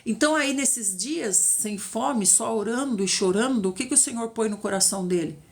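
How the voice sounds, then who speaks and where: A Brazilian woman in middle age teaches scripture in a relaxed, conversational way. Her voice sits a little high, and she keeps her listeners close with frequent little check-ins as she retells the story. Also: normal speed. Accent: Brazilian Portuguese. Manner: chatty storytelling, tag questions, lively retelling. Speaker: Bible teacher. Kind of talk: informal Bible study teaching.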